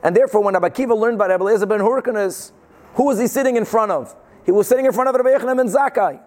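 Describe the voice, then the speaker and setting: A man's voice: high voice, very fast, darkish tone. A man giving an informal religious lecture as a teacher, emphatic and explanatory, mixing in Hebrew and Yiddish terms. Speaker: Talmud teacher.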